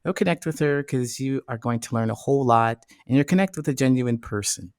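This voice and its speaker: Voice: medium pitch, a little fast, a little mellow, dry recording, studio quality. A podcast host chatting casually in an encouraging, upbeat and affirming manner. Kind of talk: casual interview chat.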